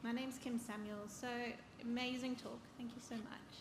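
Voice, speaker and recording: A soft-spoken woman asking a question from the audience. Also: a little high, little pitch movement, normal speed. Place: event hall. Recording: echoey room with clear noise.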